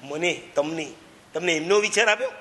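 A man's voice: a little high, moderate pace, bright, forceful tone. A man preaching a sermon, telling stories animatedly and addressing his listeners directly. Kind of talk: sermon storytelling. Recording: echoey hall, faint ambience.

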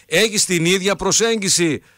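Slightly high, dry-miked, casual, pushy, jokey radio sports host. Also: male voice, a bit bright, no echo. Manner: pushy, jokey, cuts in with questions.

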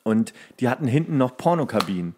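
A man's voice: medium pitch, big pitch swings, fairly quick, dark tone, slight background noise. A man telling anecdotes in casual, comedic podcast chat, rambling, correcting himself and acting out remarks. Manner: rambling, self-correcting, acts out quoted remarks. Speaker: podcast co-host.

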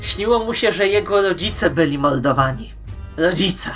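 A woman hosting online fan commentary, playful and emphatic, with dramatic pauses. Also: lowish voice, lively intonation, fairly bright tone, soft background music. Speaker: YouTube host. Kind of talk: scripted fan-theory commentary to viewers.

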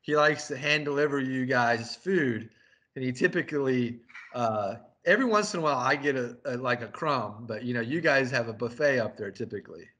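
A man's voice: medium pitch, animated, moderate pace, fairly bright tone. A man, a crew chief, chatting casually with his race engineer and telling a rambling story with laughter. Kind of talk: casual chat interview.

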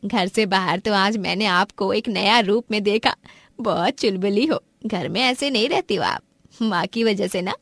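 A woman playing a kind, outspoken young sister-in-law in an animated family story, speaking persuasively. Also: mid-range voice, moderate pace, no echo. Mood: friendly. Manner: persuasive, supportive.

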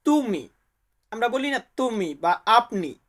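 A man's voice: very high voice, sing-song, takes it slowly, fairly bright tone. A man from Bangladesh, teaching vocabulary to viewers and repeating each word so they can say it back. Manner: friendly, calls viewers brother. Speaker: language teacher.

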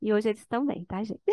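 High-voiced Brazilian woman telling stories. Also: rough recording. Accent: Brazilian Portuguese. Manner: storytelling, frequent tag questions. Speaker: panelist sharing parenting experience. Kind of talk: casual talk in a discussion circle.

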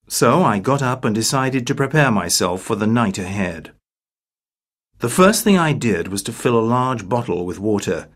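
A man reading word drills and a diary passage aloud for a coursebook, in a deliberate way. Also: lowish voice. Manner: very slow, deliberate. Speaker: narrator. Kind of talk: scripted reading.

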